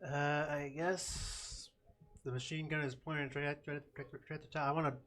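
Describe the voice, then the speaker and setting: A man's voice: on the high side, level tone, normal speed, fairly bright tone, slight background noise. A man playing a tabletop role-playing game, describing his move casually and trailing off unsure. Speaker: player.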